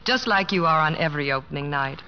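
An actress playing a devoted, gently prodding wife, earnest and articulate, in old radio drama style. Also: female voice, low-pitched, animated, fast, dull audio, a little hiss or hum. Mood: coaxing, tender. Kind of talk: 1940s-50s radio drama acting and narration. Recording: old radio recording with music behind.

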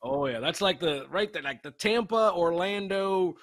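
A man's voice: high-pitched, expressive, moderate pace, a bit bright, dry recording. A man co-hosting a sports podcast, joking and rambling with lots of restarts. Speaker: podcast co-host. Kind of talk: casual chat.

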